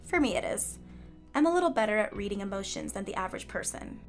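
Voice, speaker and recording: A woman playing a gentle, perceptive water nymph who works as a nurse in an audio drama, soothing and conversational. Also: medium pitch, animated, fast, soft background music, lightly acted. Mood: gentle, sympathetic. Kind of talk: naturalistic audio drama acting.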